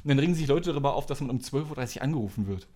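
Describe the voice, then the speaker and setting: A young man from Germany in casual podcast chat, teasing his friends and telling animated stories. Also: medium pitch, very fast. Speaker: podcast co-host.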